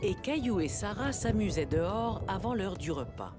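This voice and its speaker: A woman playing a gentle storyteller, narrating a scripted children's cartoon. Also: medium pitch, lively intonation, moderate pace, close to an everyday voice. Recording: music behind the voice.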